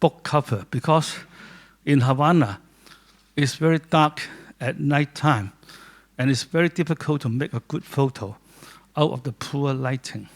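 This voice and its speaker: A man's fairly high voice with a Cantonese accent at a moderate pace, broken by long, frequent pauses, dry and close with no echo on a very clean recording with a silent background. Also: ordinary pitch variation. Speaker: photographer and author. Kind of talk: book talk to audience. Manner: halting.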